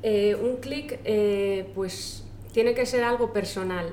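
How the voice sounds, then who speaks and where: There is noticeable background noise behind this woman. Her medium-pitched voice keeps a fairly even intonation. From Asturias, Spain. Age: 30s. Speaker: police exam candidate. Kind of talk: testimony.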